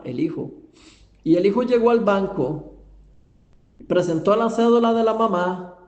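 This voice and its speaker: A man's voice: sits high, darkish tone, echoey room. A man preaching a sermon, telling a story and driving it home with emphatic rhetorical questions. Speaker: pastor. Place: church.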